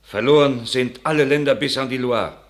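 A man's voice: mid-range voice, lightly acted. An actor playing an earnest countryman who bears grave tidings, declaiming in a classical radio play. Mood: alarmed. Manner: grave, declamatory, measured storytelling. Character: earnest countryman bringing grave news of war.

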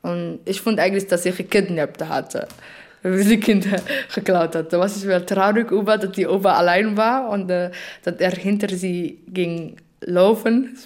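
A woman's voice: medium pitch, a little slow, darkish tone, a little hiss or hum. A woman speaking as a non-native, casually giving her reaction to a story. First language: not German.

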